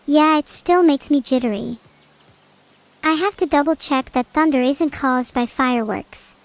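A synthetic female AI voice, chatting casually as a stream co-host with dry, deadpan quips. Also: sits high, a little slow. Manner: deadpan, matter-of-fact quips. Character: female AI vtuber, dry and teasing.

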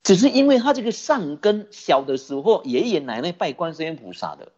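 Husky, lively Buddhist preacher. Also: mid-range voice, fairly quick. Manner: animated storytelling with rhetorical questions. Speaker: Buddhist teacher. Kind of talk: sermon. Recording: dull lo-fi recording.

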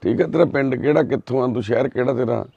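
Gentle, soothing man in a dull recording. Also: medium pitch, racing, creaky, breathy edge. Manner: gentle, soothing, repeats reassurances. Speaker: social worker helping a lost girl. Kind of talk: live social-service video.

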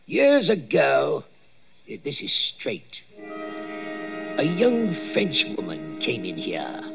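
Creaky, nervous old watchman. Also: medium pitch, huge pitch swings, slow, over music, heavily acted. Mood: uneasy, hushed. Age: older. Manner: hesitant, full of 'uh's, spooky storytelling. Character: nervous old male waxworks night watchman. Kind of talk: 1940s radio acting. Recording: dull old radio recording.

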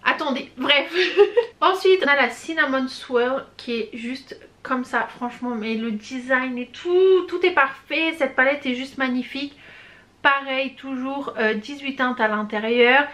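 Young female vlogger, slightly high voice, chatty and effusive, casual review tone. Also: unhurried, a bit bright. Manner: chatty and gushing, many hesitations and slang. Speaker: beauty vlogger. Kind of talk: casual product review chat.

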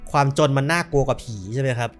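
A man's voice: mid-range voice, very fast, clear, resonant tone, faint music behind. A man giving casual, jokey let's-play commentary on a horror game, swearing and muttering to himself. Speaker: gaming streamer.

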